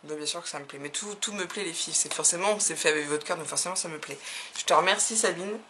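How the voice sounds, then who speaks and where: Giggly chatty French woman, lower voice. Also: fast, sharp tone. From France. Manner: giggly, chatty, enthusiastic with frequent laughs. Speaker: craft video creator. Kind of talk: casual vlog unboxing fan mail. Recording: audible background noise.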